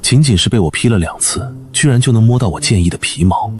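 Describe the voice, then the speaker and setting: A smug young sword master from an animated series, as a man acts him out, with a somewhat low voice. He teases in a cool, unhurried manner, never raising his voice. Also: soft background music, natural voice. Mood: cocky.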